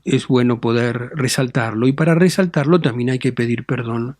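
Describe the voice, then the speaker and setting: A middle-aged man speaks as a bishop in an interview, calm and deliberate, often ending phrases with a questioning tag. His voice sits at an ordinary pitch and is recorded dry and close. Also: no echo. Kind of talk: measured interview answers.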